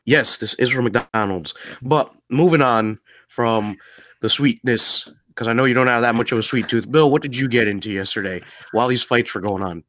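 A man's voice: mid-range voice, normal speed, fairly bright tone. A man from New Jersey, co-hosting a podcast and joking around while congested from a sinus infection. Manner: jokey, keeps addressing the host by name. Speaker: podcast co-host. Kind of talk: casual podcast banter.

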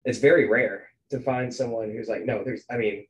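Guy in his 20s hosting a podcast chat, mid-pitched, thinks out loud with lots of likes and ums. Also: steady tone, moderate pace. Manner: musing, hesitant, filler-heavy. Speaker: podcast host. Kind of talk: casual podcast conversation.

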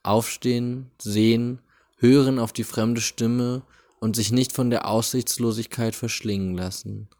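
A man hosting a podcast, reading a devotional text aloud in a deliberate, solemn way near a busy street. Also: mid-range voice, steady tone, darkish tone. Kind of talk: slow, measured reading of a spiritual text.

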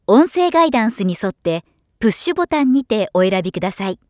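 A middle-aged woman voiceover professional reading scripted narration with polished, clearly articulated delivery. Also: medium pitch, big pitch swings, fast talker, dry recording. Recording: dry studio voice recording.

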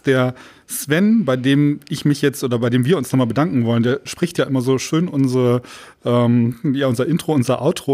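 A man's voice: medium pitch, darkish tone. A man hosting a podcast in a casual, informal and teasing manner. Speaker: podcast host.

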